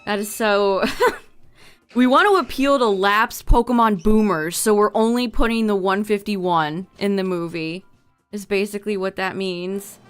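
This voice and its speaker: Young woman streamer, chatty and casual, voice fraying from overuse, smooth clear tone underneath. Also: medium pitch, a little slow, soft background music. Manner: chatty, reading out notes with asides. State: losing her voice. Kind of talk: casual livestream chat to viewers.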